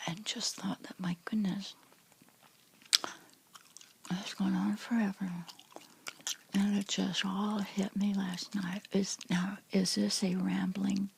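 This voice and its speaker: A middle-aged woman whispering softly to her viewers in a rambling vlog chat, full of restarts and fillers. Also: medium pitch, gravelly, husky. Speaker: vlogger.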